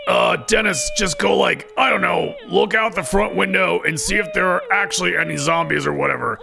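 A performer voicing a grumpy, weary male pizza shop manager with a creaky voice and a reluctant, annoyed manner. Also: mid-range voice, big pitch swings, a little fast, music in the background, voice pushed up.

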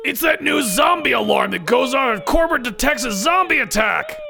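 A performer voicing a grumpy, weary male pizza shop manager with a creaky voice and a reluctant, annoyed manner. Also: mid-range voice, very animated, fairly quick, over music, voice pushed up. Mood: exasperated.

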